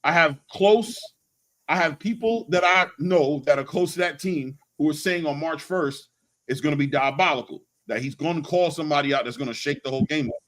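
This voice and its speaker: A man's voice: a little high, fairly quick, a bit bright. A man hosting a boxing channel, talking casually and emphatically in slang, often repeating words for emphasis. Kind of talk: animated casual sports talk and opinion.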